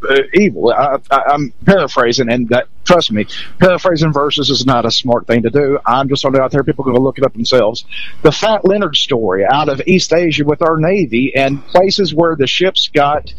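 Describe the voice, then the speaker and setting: A man calling in to a talk radio show, halting and hesitant with many fillers. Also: on the high side. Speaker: caller. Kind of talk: call-in radio chat. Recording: dull phone-line sound.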